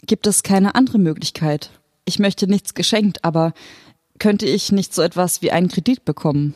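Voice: mid-range voice, normal speed, darkish tone, no room sound, clean studio sound, pitched above the performer's own voice, close to an everyday voice. A reader voicing a desperate pregnant mother who pleads in a pressed, shaking voice for her children. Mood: pleading. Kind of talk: audiobook character voice.

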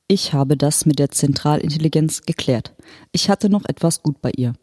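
A reader voicing an unfeeling hologram official who speaks in a calm, matter-of-fact, bureaucratic manner. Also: mid-range voice, no room sound, studio quality, close to an everyday voice. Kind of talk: audiobook character voice.

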